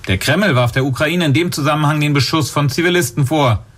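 A man's voice: on the high side, fairly bright tone. A man delivering a sober news report as a foreign correspondent. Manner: sober, measured.

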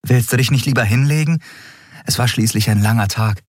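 A man voicing a young woman starship captain in an audiobook, brisk and breezy while she hides her nerves. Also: medium pitch, no echo, studio quality, pitched above the performer's own voice, natural voice. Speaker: ship captain.

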